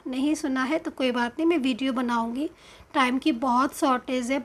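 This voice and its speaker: A woman with an Indian accent giving a tarot reading in a slow, hesitant, explanatory way, full of fillers and pauses. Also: high voice. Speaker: tarot card reader.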